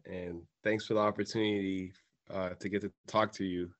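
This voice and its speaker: A young man from Boston, a writer who is a guest on a radio interview, answering in a soft-spoken, thoughtful way with many "um"s. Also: sits low, little pitch movement, moderate pace. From Boston, USA.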